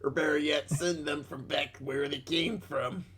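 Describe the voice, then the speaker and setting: A man's voice: fairly high pitch, steady tone, unhurried, crowd noise, close to an everyday voice. A man playing a dim, belligerent, crude redneck internet commenter in a comic dramatic reading, with blunt, sweary delivery. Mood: hostile.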